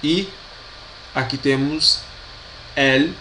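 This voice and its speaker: A man's voice: a little high, takes it slowly, sharp tone. A man with a Brazilian Portuguese accent teaching French grammar in a video lesson. He patiently repeats each pronunciation and keeps checking that his students follow. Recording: roomy echo with faint background hum.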